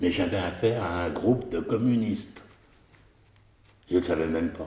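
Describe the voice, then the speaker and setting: Speaking at a moderate pace, a man with a very deep, low voice sounds somewhat breathy, with a dark, mellow tone and ordinary pitch variation. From Spain. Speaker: war veteran. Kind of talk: testimony to students. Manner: casual, colloquial.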